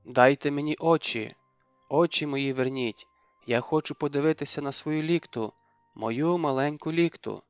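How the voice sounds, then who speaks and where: A man's voice: mid-range voice, moderate pace, hardly any pauses, clean tone, no echo, muffled recording, soft background music, close to an everyday voice. A man voicing a frantic, frightened young mother.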